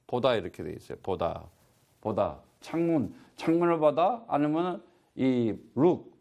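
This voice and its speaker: A middle-aged male missionary preaching a sermon, his pitch rising and falling in a lively sweep. He teaches in a rhetorical style, posing questions to the congregation and answering them himself. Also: measured pace, vocal fry, lo-fi sound.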